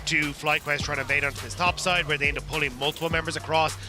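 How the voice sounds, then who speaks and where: A man giving analytical esports desk commentary in rapid, running analysis. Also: a little high, steady tone, music in the background.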